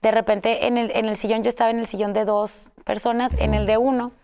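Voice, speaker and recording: Woman, Mexican accent, casual storytelling, rambling, fillers, gravelly edge. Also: a little high, flat delivery, a little fast, warm tone. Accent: Mexican Spanish. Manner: rambling, many fillers and self-corrections. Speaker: guest telling her story.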